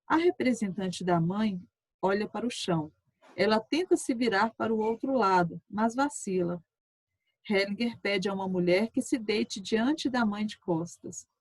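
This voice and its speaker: A woman teacher reading a session transcript aloud in a steady, measured way. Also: medium pitch, no room sound.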